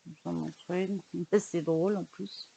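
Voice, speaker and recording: A woman's voice: on the low side, fairly even intonation, unhurried, vocal fry, mellow, breathy edge, dull audio. A woman vlogger in casual chat, showing books she bought, hesitant with frequent fillers and restarts, recorded indoors at home. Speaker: vlogger showing a book haul.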